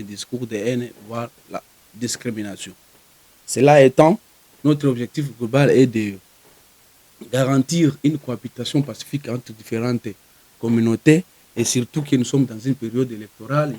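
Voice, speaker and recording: A man with a Congolese French accent giving a formal, wordy press conference statement as a spokesperson, phrasing things deliberately. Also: medium pitch, dark tone, no echo. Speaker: spokesperson for a community organisation.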